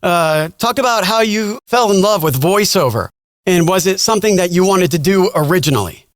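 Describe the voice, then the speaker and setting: A man's voice: sits high, lively intonation, moderate pace, no room sound, clean studio sound. A man interviewing casually as a podcast host, informal, enthusiastic and buddy-like.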